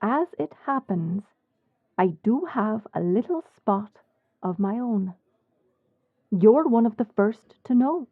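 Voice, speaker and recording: A woman with an Irish accent playing a bold, sly smuggler captain in an audio drama, composed and cheeky in a measured way. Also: a little high, lively intonation, no echo, narrow, tinny audio, full character voice. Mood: earnest, persuasive. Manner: measured, deliberate. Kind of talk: audio roleplay acting with story narration.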